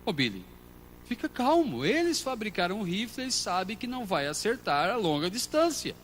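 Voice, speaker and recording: A Brazilian man preaching a sermon as pastor, moving between quiet storytelling and loud shouted passages. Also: high-pitched, big pitch swings, moderate pace, slight background noise. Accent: Brazilian Portuguese. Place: church hall.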